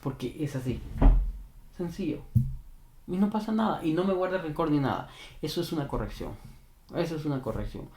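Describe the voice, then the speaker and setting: A man's voice: a little high, expressive, brisk, pauses often, a little mellow. A man working as a dog trainer, earnestly explaining advice to a viewer and repeating his key points for emphasis. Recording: roomy echo.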